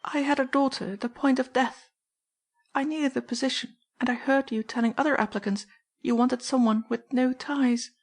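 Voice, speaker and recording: A woman's voice: high voice, fairly even intonation, moderate pace, darkish tone, voice pushed up. A woman reading an audiobook, voicing a distraught, loyal housekeeper who pleads tearfully. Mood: pleading.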